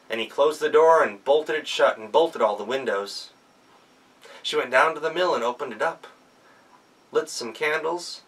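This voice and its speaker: A man's voice: medium pitch, a bit bright, far from the mic, low-quality recording. A man narrating a folktale aloud in a theatrical storyteller's manner. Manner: theatrical, with emphatic sound words. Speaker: professional storyteller.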